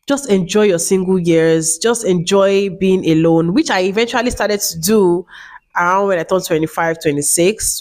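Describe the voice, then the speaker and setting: A woman in her late twenties talking casually to camera as a vlogger, chatty and repeating herself, with many fillers. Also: fairly low pitch. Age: 20s.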